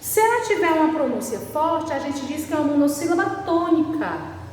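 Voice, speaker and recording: A woman teaching a language lesson, stretching out examples slowly and checking with "right?" after nearly every point. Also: high-pitched, sing-song, darkish tone. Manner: slow, drawn-out spelling of examples, constant "certo?" checks. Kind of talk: recorded online class. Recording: distant echoey room recording, faint background noise.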